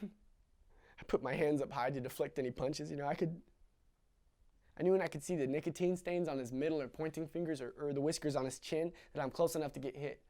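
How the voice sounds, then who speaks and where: A man's voice: fairly high pitch, fairly even intonation, fairly quick, lightly acted. A young man playing a haunted survivor confessing. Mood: bitter, raw. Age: young adult. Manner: raw and confessional, swinging between hushed recollection and sobbing screams. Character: young man, haunted, recounting a traumatic childhood. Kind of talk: dramatic stage monologue.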